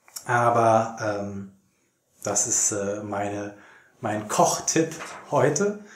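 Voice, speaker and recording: Speaking very slowly with long, frequent pauses, a man with a fairly low voice uses ordinary pitch variation, and room echo is audible. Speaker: German language teacher. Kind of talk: casual talk to camera, language lesson. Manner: hesitant, many filler sounds. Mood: friendly, smiling.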